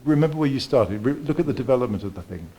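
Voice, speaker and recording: A man teaching a viola masterclass, coaching a student with lively encouragement and sung phrases. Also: medium pitch, rapid-fire. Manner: animated, sings phrases and encourages. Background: viola and piano playing.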